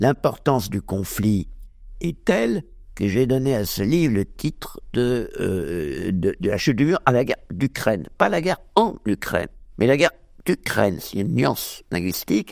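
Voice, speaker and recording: A man talks at a fairly slow pace with vocal fry. His medium-pitched voice moves in very wide pitch swings. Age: 80s+. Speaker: history professor. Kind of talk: interview. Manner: hesitant with many fillers.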